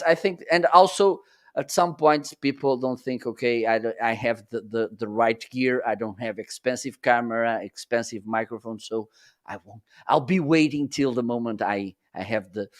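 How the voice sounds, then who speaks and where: A middle-aged man with a Portuguese accent, a native Portuguese speaker, chatting casually as a guest on a live stream over a video call, laughing often and phrasing haltingly. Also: mid-range voice.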